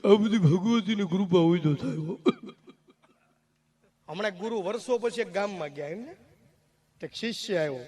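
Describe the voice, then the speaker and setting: A man's voice: sits high, moderate pace, long pauses, slightly rough. A young man telling folk comedy stories on stage, slipping into character voices. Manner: lively storytelling, jumping between character voices. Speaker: comedian and mimic.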